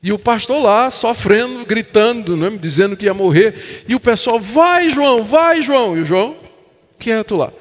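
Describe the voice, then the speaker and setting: An older male pastor with a Brazilian Portuguese accent delivers an expressive sermon in a fairly high voice. He draws out scripture lines slowly for weight. His words ring with a long reverb, as if heard across a large church sanctuary. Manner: expressive preaching, slowing down to stress scripture.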